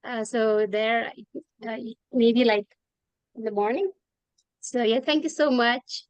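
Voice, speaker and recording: A woman's voice: a little high, slow, a little mellow, clean tone, dry recording. A woman from Nepal, a first-time guest, giving hesitant comments full of fillers on a video call. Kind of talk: casual online meeting comments.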